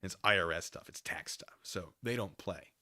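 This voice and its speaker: On a livestream, a man with a slightly low yet bright, forward voice rambles casually at a normal pace, tossing in playful, self-deprecating asides to his viewers. The recording is dry, with no room sound.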